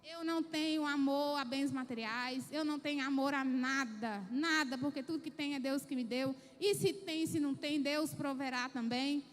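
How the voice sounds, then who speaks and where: A woman's voice: sits high, normal speed, few pauses. A Brazilian woman gives a fervent, emphatic church testimony, repeating herself for emphasis, in a church hall on a handheld mic. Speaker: church member giving testimony.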